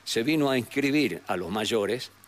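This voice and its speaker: An older man with a northwestern Argentine accent, telling memories as an interview guest in a rambling, halting way with frequent tag questions. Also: medium pitch, lively intonation. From San Salvador de Jujuy, Argentina. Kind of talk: reminiscing in a conversational interview. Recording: noticeable background noise.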